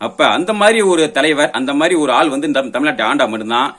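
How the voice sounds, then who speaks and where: Fast, high-voiced man, confrontational. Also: animated, a bit bright. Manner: confrontational, accusatory, full of pointed rhetorical questions. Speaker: political commentator. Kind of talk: political monologue rebutting an opponent.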